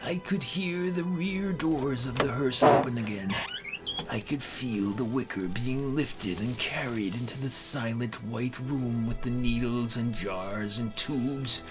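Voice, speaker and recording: A man's voice: medium pitch, measured pace, over music. A man giving a brooding, theatrical first-person narration of a horror comic story. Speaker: narrator and amateur voice actor.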